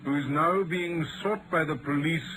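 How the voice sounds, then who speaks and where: An actor playing a dutiful English gentleman companion to a detective, with measured, emphatic radio-drama delivery. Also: fairly high pitch, close to an everyday voice. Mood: measured, grave. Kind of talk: 1940s-style radio acting. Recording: noisy vintage radio drama recording.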